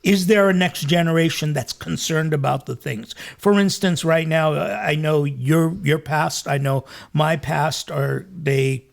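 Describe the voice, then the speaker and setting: An earnest male priest hosts a studio interview, thinking aloud and restarting his phrases as he goes. His voice sits a touch high for a man and carries a gravelly edge. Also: a little slow, hardly any pauses. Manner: earnest, reflective, with many restarts. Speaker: priest and show host. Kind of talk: conversational interview. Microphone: studio mic.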